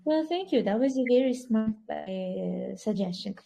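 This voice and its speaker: A woman's voice: mid-range voice, lively intonation, a little slow, creaky, mellow, faint music behind. A woman hosting an online English speaking club, encouraging the participants and switching between English and over a video call. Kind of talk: online English conversation class.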